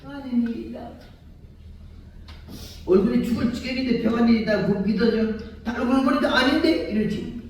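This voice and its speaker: An older woman evangelist, preaching a sermon in animated storytelling, acting out dialogue and laughing often. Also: on the high side, normal speed, pauses often, a little hiss or hum. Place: large church hall. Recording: echoey church hall from far off.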